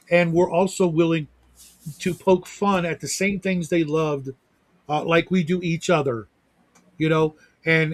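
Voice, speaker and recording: A man's voice: fairly high pitch, no echo. A man co-hosting a casual livestream chat, rambling and swearing with lots of restarts. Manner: rambling, profane, with frequent restarts. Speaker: co-host.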